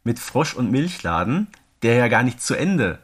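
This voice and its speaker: A man's voice: medium pitch, very animated, moderate pace, husky. A man co-hosting a podcast in casual, enthusiastic chat, telling things emphatically with plenty of rhetorical questions. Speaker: podcast co-host.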